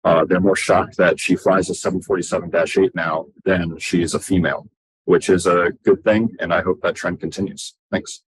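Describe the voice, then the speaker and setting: A young man giving a prepared video message in a steady voice. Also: deep voice, normal speed, husky, dry recording, low-quality recording.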